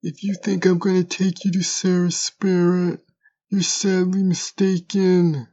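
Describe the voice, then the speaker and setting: A man's voice: sits high, little pitch movement, unhurried, warm tone, muffled recording. A man voicing a smug, sly troll creature in an audio drama, with a sardonic, wheedling manner. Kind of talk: audio drama character acting.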